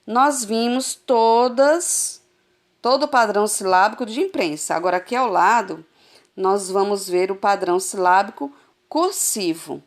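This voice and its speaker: A woman teacher giving a recorded adult literacy lesson over a phone, sounding out syllables slowly and patiently. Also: mid-range voice. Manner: slow, patient, drawn-out syllables.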